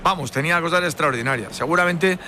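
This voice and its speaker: A man's voice: fairly high pitch, fast talker, loud music behind the voice. A man, a former footballer giving casual football punditry, insistent and reminiscing.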